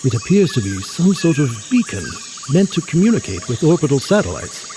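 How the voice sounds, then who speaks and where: An actor playing a courtly, erudite mutant scientist in an audio drama, with a verbose, formal and genial manner. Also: male voice, a little high, big pitch swings, brisk, warm tone, slight background noise. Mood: genial, pompous.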